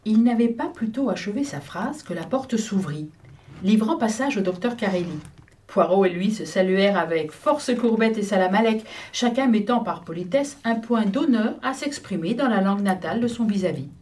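A woman narrating a detective audiobook in a measured storytelling manner. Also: medium pitch, animated, darkish tone, far from the mic.

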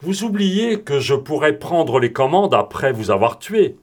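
A man's voice: a little high, very animated, unhurried, pitched above the performer's own voice. A man voicing a menacing male hijacker in a read-aloud adventure story, with a threatening, insistent delivery. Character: menacing male hijacker who is also a pilot.

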